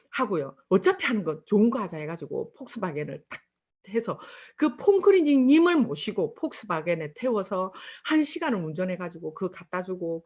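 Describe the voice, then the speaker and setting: A middle-aged woman with a Busan Gyeongsang accent, giving an animated testimonial speech to an audience and acting out the voices in her stories. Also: mid-range voice, slightly rough. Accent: Busan Gyeongsang dialect. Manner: animated storytelling with acted-out quotes. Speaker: motivational speaker at a sales seminar.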